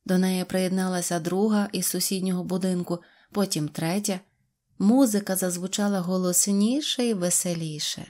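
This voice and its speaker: A woman narrating a children's storybook in a clear, even reading voice. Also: fairly low pitch, normal speed. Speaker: audiobook narrator.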